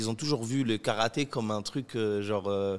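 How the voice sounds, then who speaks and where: A man with an ordinary speaking voice, fairly low in pitch, with ordinary pitch variation on a very clean recording with a silent background. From Algeria, Algiers. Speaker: professional karate fighter. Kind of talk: casual interview. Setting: boxing gym.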